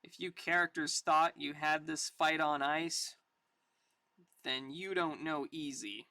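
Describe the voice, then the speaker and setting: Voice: medium pitch, slow pace, bright, forceful tone, dry recording. A person reading aloud a tough, weary army sergeant from a war comic in dramatic style. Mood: tough, wry. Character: tough weary army sergeant, gruff battle-hardened narrator.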